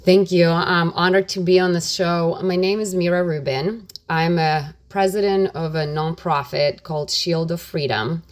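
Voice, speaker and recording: A low-pitched middle-aged woman from Ukraine speaks earnestly as a radio interview guest. She keeps dropping "you know" between her points, in an unhurried and sincere manner. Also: steady tone. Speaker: guest, nonprofit president. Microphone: phone or studio mic on radio.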